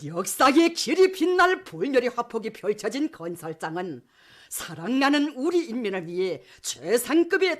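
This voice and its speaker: A woman with a North Korean accent reading scripted state propaganda news as a television announcer in a fervent, solemn, declamatory manner. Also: high voice.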